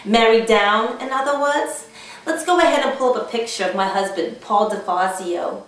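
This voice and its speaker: A woman's voice: fairly high pitch, normal speed, natural voice. A woman playing a brassy, sardonic married talk show host, chatty and theatrical in a comedy sketch. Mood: mocking. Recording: echoey room, distant microphone.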